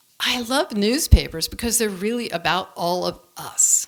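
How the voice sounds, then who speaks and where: Using a plain, everyday voice, a woman shows ordinary pitch variation while keeping a moderate pace. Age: 60s. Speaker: newspaper reporter. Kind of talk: panel remarks.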